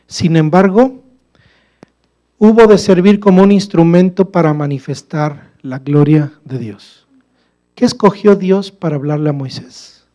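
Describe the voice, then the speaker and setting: A man delivers a sermon in a church, his voice pitched fairly high yet mellow and warm. He poses rhetorical questions to the congregation and addresses them as brother. He shifts from emphatic, loud passages to quiet, low asides. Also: unhurried, muffled recording. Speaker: preacher.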